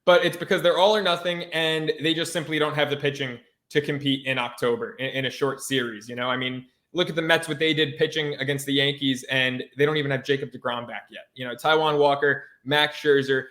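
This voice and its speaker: A man's voice: mid-range voice, steady tone, fairly quick, few pauses, fairly bright tone. A man co-hosting a sports podcast in a casual chat, brash and emphatic, swearing freely. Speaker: podcast co-host.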